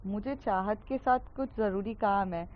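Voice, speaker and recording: A woman's voice: medium pitch, normal speed, highs cut off, a little hiss or hum, lightly acted. A woman voicing a pleading lovesick schoolgirl. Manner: pleading, coaxing.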